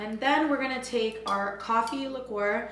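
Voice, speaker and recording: At a moderate pace, a woman speaks amid audible room echo and light background noise. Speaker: lifestyle vlogger. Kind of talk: casual tutorial and product review. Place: kitchen. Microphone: camera far.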